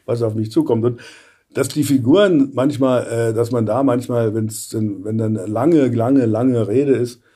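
Older male voice actor guest in his sixties, mellow and husky, lively storyteller who acts out bits. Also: mid-range voice, a little slow. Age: 60s. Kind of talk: casual interview chat.

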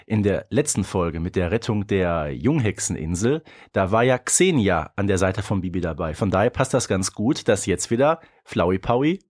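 A man's voice: low voice, expressive, moderate pace, hardly any pauses. A man co-hosting a podcast, talking casually and conversationally about audio dramas. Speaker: podcast co-host.

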